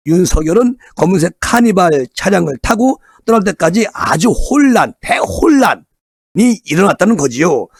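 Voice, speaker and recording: A man with a high, very lively voice talks through a casual political commentary. He is animated and chatty, and he slips into low muttered asides now and then. He sounds close and dry, with no room sound at all. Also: husky, dry recording. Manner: animated, acts out crowd chants in raised voice.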